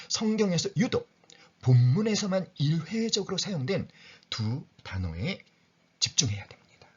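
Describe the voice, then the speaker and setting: A man's voice: medium pitch, husky, lo-fi sound. A man preaching a sermon as a pastor, asking rhetorical questions and dropping to a whisper for emphasis.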